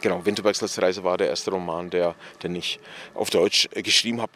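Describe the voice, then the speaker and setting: Low-voiced man, thoughtful. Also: fairly even intonation, a little fast, a bit bright. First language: Czech. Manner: thoughtful, hesitant, many fillers and restarts. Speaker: author guest. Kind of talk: casual walking interview. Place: outdoors in a cemetery.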